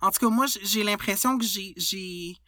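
Quebec French woman, podcast co-host, bright tense tone, dry close sound, halting reflective delivery. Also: mid-range voice, no room sound. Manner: thoughtful, hesitant, many restarts. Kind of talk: reflective casual chat.

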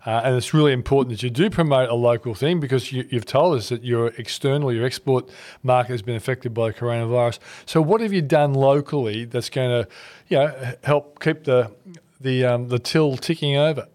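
A male podcast host with a mid-range voice, relaxed and conversational as he puts questions to his guest. His delivery is easygoing and steady. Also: mid-range voice, brisk. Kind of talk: casual interview chat.

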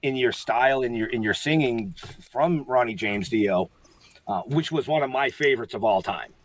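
This podcast host is a man with a mid-range voice, heard over poor audio with a little hiss or hum. Interviewing casually, he gushes with praise and stumbles along, full of fillers and restarted sentences.

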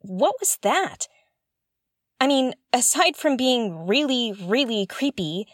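A woman's voice: on the high side, no echo, clean studio sound, full character voice. A woman playing a curious, jittery explorer alone on a derelict spaceship, thinking aloud in an audio drama in a hesitant, exclamatory way. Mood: unnerved. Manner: hesitant, exclamatory, muttering to herself.

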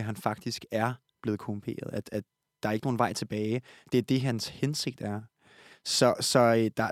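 A man's voice: mid-range voice, no echo. A man talking through a book on a podcast, eager and often restarting his sentences. His voice sits mid-range for a man. The sound is dry and close. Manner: enthusiastic, many restarts and repeated words. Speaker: podcast host. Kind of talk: casual book discussion.

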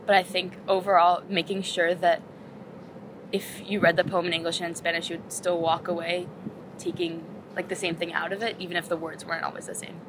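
A woman's voice: lowish voice, flat delivery, brisk, noisy background. A woman translator talking casually about her work, with frequent "like" and "um". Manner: casual, uses "like" and "um" often. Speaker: poetry translator. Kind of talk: conversational interview answers.

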